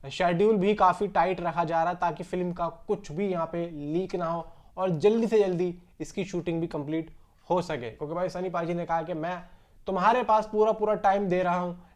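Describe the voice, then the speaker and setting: A man's voice: on the high side, a little mellow. A man giving casual, rambling film news commentary, chatting directly to his viewers like friends. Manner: conversational, rambling, addresses viewers as bro.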